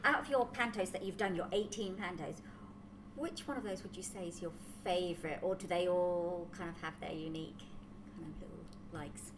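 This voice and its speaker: A woman with a slightly low voice co-hosts an interview podcast. She asks her questions in a casual, conversational way, with clearly audible noise in the background. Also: moderate pace, low-quality recording. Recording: noticeable background room noise.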